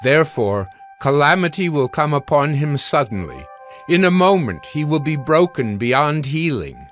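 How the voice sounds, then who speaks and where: Male scripture narrator; very unhurried and grave, with faint music underneath. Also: medium pitch, a bit bright. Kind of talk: dramatized scripture reading.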